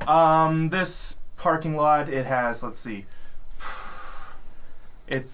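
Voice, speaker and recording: A man's voice: a little high, slow, slight background noise. Rambling man on a tinny line. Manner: rambling, full of ums and restarts. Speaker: podcast co-host, security guard. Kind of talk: casual storytelling chat. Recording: tinny phone-like sound.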